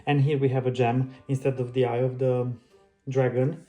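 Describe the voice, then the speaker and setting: Chatty man with a flat, mellow voice. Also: medium pitch, normal speed, faint music behind. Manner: friendly, chatty, loose phrasing with restarts. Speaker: book channel host. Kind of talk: casual book flip-through vlog.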